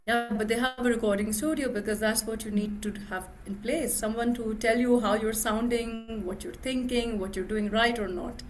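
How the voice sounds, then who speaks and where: A woman's voice: a little high, steady tone, moderate pace, hardly any pauses, soft background music. Reflective woman speaker on a call. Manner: reflective, frequent affirming "yeah"s. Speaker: webinar speaker. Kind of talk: answering questions in a webinar.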